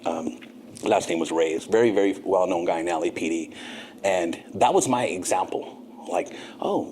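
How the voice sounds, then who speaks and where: A man in his fifties from Southern California, a podcast guest telling his life story in an earnest, animated way. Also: low voice, a little hiss or hum. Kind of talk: casual interview storytelling.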